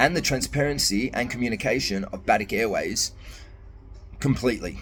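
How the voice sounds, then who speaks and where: With music in the background, a man with an Australian accent talks at a fairly quick pace and medium pitch with ordinary pitch variation. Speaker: travel vlogger. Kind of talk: casual talk to camera.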